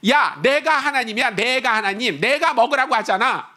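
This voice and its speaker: A bossy, indignant God who keeps insisting he is God, put on by a male preacher as a joke. The pitch leaps around in a lively way, and the delivery is blunt and comic, pitched a little higher than the man's own sermon voice. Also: normal speed, exaggerated voice. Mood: exasperated. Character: exasperated, bossy male God scolding a stubborn disciple.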